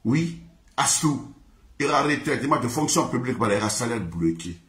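A man's voice: medium pitch, expressive, moderate pace, a bit bright. A man singing in a repetitive, chanted, sing-song way. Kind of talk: chanted song in mixed languages. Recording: echoey room.

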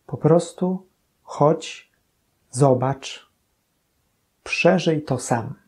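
A priest in his thirties giving a calm, earnest gospel commentary in a small chapel room. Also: fairly high pitch, slightly rough. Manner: calm, earnest, slow-paced reflection. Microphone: fixed camera, medium shot.

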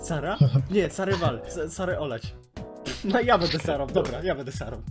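A man's voice: on the high side, lively intonation, normal speed, over loud music. A man narrating an amateur comic parody dub in an informal, jokey way, slipping into casual banter.

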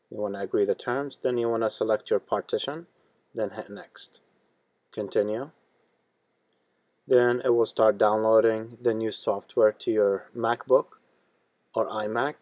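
Male tutorial host, lowish pitch, steady instructional delivery, dry close sound. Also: dry recording. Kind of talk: step-by-step tech tutorial narration.

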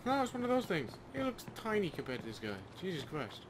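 Animated young man over loud game noise. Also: high voice, fast. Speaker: gamer commentator. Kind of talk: casual let's play commentary. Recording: quiet voice under loud game traffic noise.

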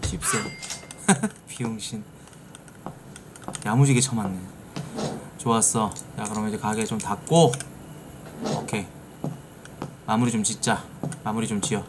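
A middle-aged man streaming a game live, reacting loudly and swearing at it. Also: fairly low pitch, measured pace, pauses often, noisy background. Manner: excitable, bursts into shouts and swears at the game. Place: streaming room indoors.

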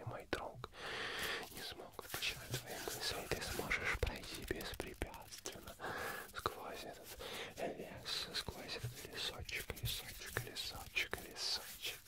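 In a whispered role-play, a young adult man plays a sly, playful Cheshire Cat, murmuring repetitively in a breathy, barely audible whisper close to an ASMR mic. His natural voice is also heard. The mood is hushed and mysterious, the murmuring half-intelligible, recorded in a small foam-padded indoor studio.

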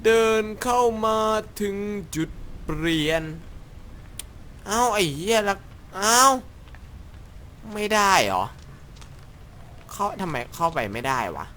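A man's voice: high voice, very animated, slow, long pauses, fairly bright tone, slight background noise. A young man commentating a horror game in Thai, joking crudely, talking to himself, acting brave and yelping when startled. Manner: jokey, crude and rambling, mock-brave, yelps when startled. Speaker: gaming YouTuber.

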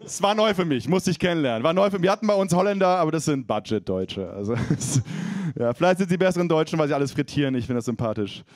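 A man in his thirties from East Frisia performs stand-up into a handheld mic, chatting with the crowd and poking fun at himself. His voice sits a little higher than most men's. The sound is dry and close. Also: animated, quick pace, no echo. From East Frisia, Germany. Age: 30s. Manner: self-mocking, conversational with crowd. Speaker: stand-up comedian. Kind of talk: stand-up set.

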